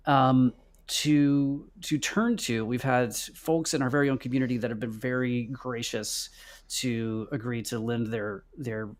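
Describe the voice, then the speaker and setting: Halting man co-hosting a casual stream. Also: medium pitch, steady tone. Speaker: show co-host. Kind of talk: casual livestream chat.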